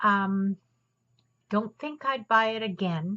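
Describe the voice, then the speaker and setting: A woman is speaking at medium pitch. Her pitch varies in an ordinary way. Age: 70s. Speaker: weight loss vlogger. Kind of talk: casual chat. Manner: hesitant, many fillers.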